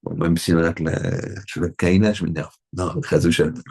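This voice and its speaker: A man's voice: low-pitched, little pitch movement, moderate pace, vocal fry, a little mellow, husky. A man, a rabbi, giving a Torah lesson in a conversational way, often checking that his listeners agree.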